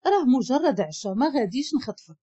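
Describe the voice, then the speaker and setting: A woman voicing a quiet, reserved young male boss with a Moroccan accent, speaking briefly and calmly. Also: extremely high pitch, quick pace, husky, lo-fi sound, full character voice. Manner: brief and calm.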